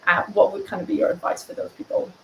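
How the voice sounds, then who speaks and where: A woman's voice: very high-pitched, huge pitch swings, fast, creaky. A woman interviewer on a video call asks casual, hedging questions while her voice breaks up over the connection. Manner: hedging, uses many fillers such as kind of and like. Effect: voice breaking up over an online call. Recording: roomy call audio that breaks up, faint noise.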